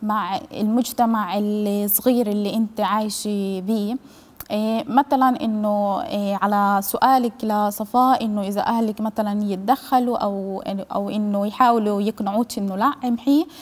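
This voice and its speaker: At a very slow pace, a woman speaks with hardly any pauses. Her fairly high pitch stays in fairly even intonation. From Israel. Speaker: youth activist; guest. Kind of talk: TV panel discussion. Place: studio. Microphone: lapel.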